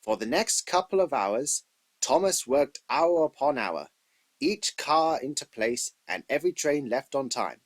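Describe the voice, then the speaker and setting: Husky male storybook narrator. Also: mid-range voice, big pitch swings, a little slow. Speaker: narrator of a children's train story. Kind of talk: scripted storybook narration, read in takes.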